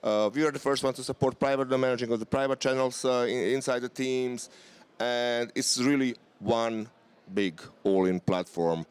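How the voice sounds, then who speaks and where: In a casual interview at a conference venue, a Bosnian man in his forties speaks English with a Bosnian accent as a guest representing a software company. His mid-range voice is clear and resonant at a normal speed, but he sounds hesitant, with many "uh" fillers and restarts.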